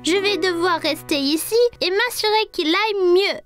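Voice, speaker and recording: Small cartoon boy, very high childish pitch, inquisitive, eager, faint music. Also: normal speed, a bit bright. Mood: eager, curious. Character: curious, eager four-year-old little boy.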